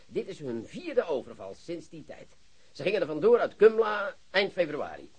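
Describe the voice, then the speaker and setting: An actor playing an excitable, boastful police chief who lectures his colleagues in a radio play. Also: on the high side, moderate pace, breathy edge, heavily acted. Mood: excited, lecturing. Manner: animated, theatrical, lecturing colleagues. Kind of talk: Dutch radio drama acting.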